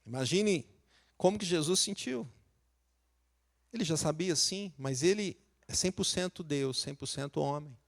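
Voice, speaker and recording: A Brazilian man with a Minas Gerais accent preaches a sermon. His voice sits a little high, and he keeps it conversational, putting questions to the congregation and acting out the lines he quotes. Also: lively intonation, unhurried, long pauses. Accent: Brazilian Portuguese, Minas Gerais. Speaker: pastor.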